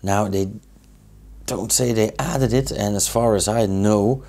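Belgian man in his thirties, Dutch first language, unhurried beer reviewer with a low, gravelly voice. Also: mellow. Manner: slow, thoughtful, with many fillers. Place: small indoor studio with beer signs.

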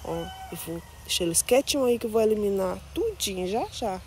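Woman, casual garden vlog, chatty and doting, mellow tone, phone mic outdoors. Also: medium pitch, sing-song, fairly quick, slight background noise. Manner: chatty and doting, coos over plants with diminutives. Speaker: plant vlogger. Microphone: phone held while filming.

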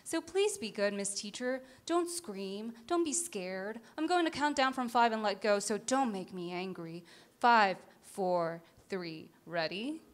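A woman's voice: mid-range voice, expressive, measured pace, lightly acted. A woman reading aloud and voicing a menacing man in black, a strangler who taunts his victim in a singsong, childish way.

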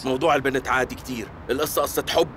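A man's voice: medium pitch, fairly even intonation, very fast, natural voice. A man with a Syrian accent voicing a suspicious, lovesick young man in a dubbed TV drama, talking earnestly and with agitation. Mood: troubled. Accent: Syrian Arabic. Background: music score.

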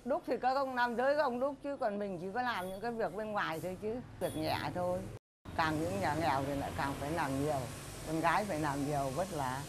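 Picture an elderly woman from the northern countryside speaking with a Bac Ninh village accent, her voice set a little low. She tells her memories in a plain, storytelling way during a casual interview at home. Clear street noise runs behind her throughout. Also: a little fast. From Dai Bai village, Bac Ninh, northern Vietnam. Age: older. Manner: plain storytelling, recites an old saying. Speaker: interviewee, elderly coppersmith family member. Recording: noisy street background.

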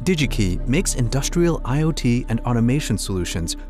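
A man's voice: mid-range voice, very animated, a little fast, darkish tone. A man reading polished, scripted promotional narration. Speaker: voice-over narrator. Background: background music.

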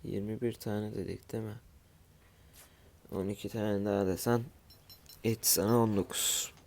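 A groggy man who has just woken up, talking through a game in a low, gravelly voice. His tone is dark and mellow, and he mutters to himself as he builds, dropping the odd aside to viewers from his room at home. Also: flat delivery, normal speed. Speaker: gamer streaming his play. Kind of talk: casual let's-play commentary.

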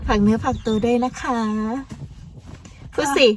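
A woman's voice: on the high side, a little slow, darkish tone, recorded from a distance, slight background noise. Chatty young woman vlogging outdoors. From Shan State, Myanmar. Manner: chatty, teasing, signs off the video. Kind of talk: casual chat.

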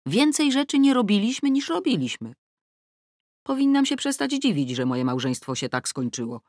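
A woman's voice: on the high side, big pitch swings, normal speed, a little mellow, no room sound. A middle-aged woman narrating a first-person audiobook with wry irony and wide swings in tone. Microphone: close studio mic. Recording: dry studio recording.

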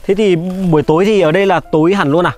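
A man's voice: sits high, steady tone, fast talker, darkish tone, faint music behind. A young man vlogging on a village visit, chatty and caring, talking straight to his viewers. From Vietnam. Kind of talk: casual vlog chat.

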